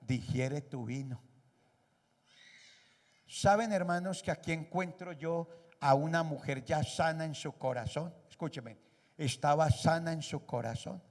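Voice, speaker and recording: A man's voice: on the high side, a little slow. A pastor preaching a sermon. He is emphatic and keeps putting rhetorical questions to the congregation. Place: church hall. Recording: echoey church hall.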